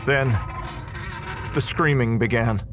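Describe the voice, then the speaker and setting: A man's voice: medium pitch, slow, over music. A man performing scripted, dramatic first-person narration for a horror audio drama.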